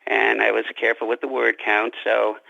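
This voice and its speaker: A man speaking as an interview guest, an author, conversational, measured and wryly modest, on a remote recording. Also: lowish voice, completely flat delivery, creaky, sharp tone, no echo, dull audio.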